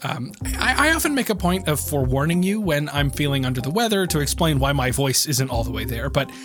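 A young man hosting a podcast, chatty and quick to laugh, his voice stuffed up from a cold. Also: a little high, sing-song, faint music behind. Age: young adult. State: congested, stuffed-up voice. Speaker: podcast host. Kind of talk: interview and outro.

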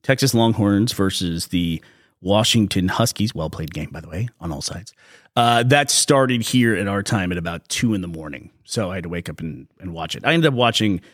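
A middle-aged man hosting a podcast in casual chat, slightly hoarse, explaining things at a relaxed, rambling pace. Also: low voice, normal speed. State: a little hoarse. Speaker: podcast host.

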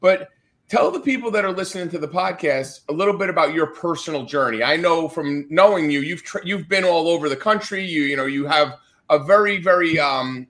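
A man with a New Jersey accent hosting a podcast interview. His voice is fairly high for a man, and his questions wander in a friendly way. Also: a bit bright. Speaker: podcast host.

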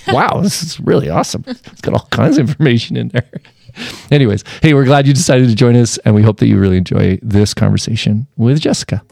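A man co-hosting a casual podcast interview, animated and laughing. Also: medium pitch, fast talker, vocal fry, dry recording, clean studio sound. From Canada. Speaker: podcast co-host.

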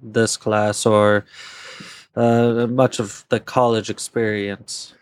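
A man playing a fussy, stern college professor who talks slowly and haltingly, filling gaps with uh's. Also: fairly low pitch, little pitch movement, clean tone, no echo. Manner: slow, halting, full of uh's.

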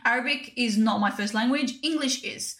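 A woman's voice: on the high side, normal speed, fairly bright tone. A woman, hosting a casual solo podcast and talking to listeners in a chatty, direct way. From Australia. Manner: chatty, direct, addresses listeners as "you guys". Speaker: podcast host.

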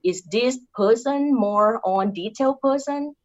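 A woman's voice: fairly high pitch, slow pace, darkish tone, dull audio. A woman with a Thai accent, a guest in an interview giving career advice in an earnest way, often ending points with "right?". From Thailand. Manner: earnest, repeats points with tag questions.

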